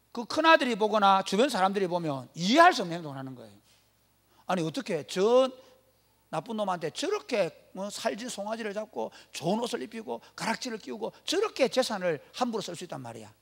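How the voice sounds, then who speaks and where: A man's voice: high-pitched, sing-song, fairly quick, creaky, fairly bright tone. A male pastor preaching a sermon, blunt and emphatic, often asking the congregation rhetorical questions. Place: church.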